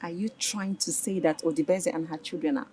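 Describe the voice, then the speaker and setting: A woman playing a husky, defensive queen mother. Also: fairly low pitch, steady tone, fairly quick, mellow. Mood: aggrieved. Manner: pleading, defensive, accusing. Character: protective queen mother, quarrelsome wife.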